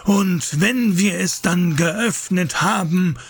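An actor playing a calm, controlling priest who preaches in a measured, patronising way in a German radio play. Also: male voice, high voice, breathy edge, heavily acted. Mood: sanctimonious.

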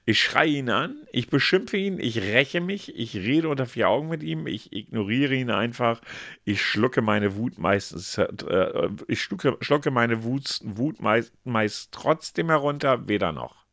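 Man, casual podcast host, reading quiz options aloud, animated voice, dry close mic. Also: mid-range voice, measured pace, no echo. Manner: reads answer options aloud in a lively, playful tone.

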